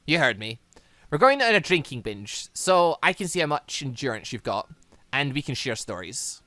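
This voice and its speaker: A man's voice: medium pitch, sing-song, normal speed, bright, forceful tone, no echo. A man voicing a proud, guarded warrior mother from a visual novel, in terse and challenging lines. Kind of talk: visual novel character read aloud.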